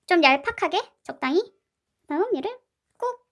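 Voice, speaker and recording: A woman with a very high, fairly bright voice narrates a casual craft tutorial for her slime and clay channel at a normal speed. She sounds expressive, chatting playfully and slipping in cute sound words as she works.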